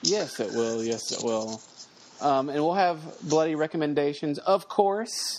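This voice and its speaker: Over noticeable background noise, a man with an American accent speaks fairly slowly, his fairly high pitch carried by lively intonation. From Dallas, Texas. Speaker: co-host, horror fan. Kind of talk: casual podcast chat.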